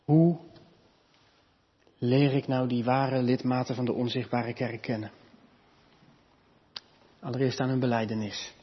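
A man preaching a sermon in a church, teaching earnestly, lifting his voice for emphasis and dropping soft at the ends of points. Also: mid-range voice, fairly even intonation, unhurried, pauses often, slightly rough. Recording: reverberant church hall, dull lo-fi sound.

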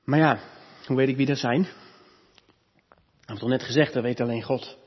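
A man preaching a sermon in a church, teaching earnestly, lifting his voice for emphasis and dropping soft at the ends of points. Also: medium pitch, fairly even intonation, normal speed, breathy edge. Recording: reverberant church hall, dull lo-fi sound.

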